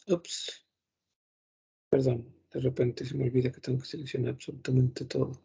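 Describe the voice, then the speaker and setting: Dull audio carries a medium-pitched, gravelly, warm voice with a breathy edge and flat delivery at normal speed. The patient French teacher runs an online grammar lesson, repeating each word several times and humming while he thinks.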